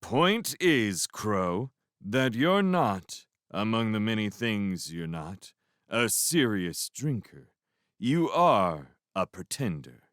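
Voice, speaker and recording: A man's voice: medium pitch, very animated, slow, clean tone, dry recording, studio quality, voice pushed up. A man voicing a soaked, very drunk fisherman who scolds people with theatrical mock outrage. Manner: slurred, theatrical, shouting.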